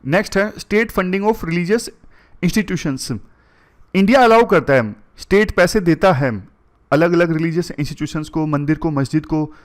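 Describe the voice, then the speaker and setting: An Indian man teaches current affairs in an exam-prep lecture, working through points one at a time and mixing in English terms. His voice is fairly high-pitched, and he speaks at a measured pace.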